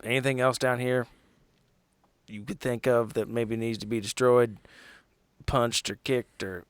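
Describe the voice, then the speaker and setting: A man playing a gruff, blunt axe-carrying fighter with anger issues in a tabletop game, speaking casually and haltingly. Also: mid-range voice, steady tone, no room sound, natural voice. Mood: blunt, practical.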